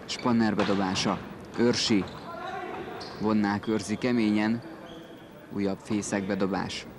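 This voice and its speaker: Low-voiced man commentating on indoor football. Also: little pitch movement, crowd noise. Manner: terse play-by-play, calling out player names. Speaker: sports commentator. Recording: noisy gym recording, ball bounces behind. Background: indoor sports hall with bouncing ball.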